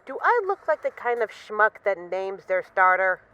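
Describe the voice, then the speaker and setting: A woman's voice: mid-range voice, sing-song, moderate pace, sharp tone, lo-fi sound, slight background noise. A woman playing a self-assured, bored mafia boss in an intimate voice-message roleplay, wry, boastful and affectionately teasing her partner. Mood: mock-proud. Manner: wry, boastful, teasing, mock-indignant, swearing casually.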